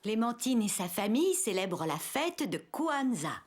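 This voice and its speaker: A woman's voice: mid-range voice, sing-song, normal speed. A woman voicing a kind daycare teacher in a children's cartoon, explaining things simply. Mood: kind, welcoming.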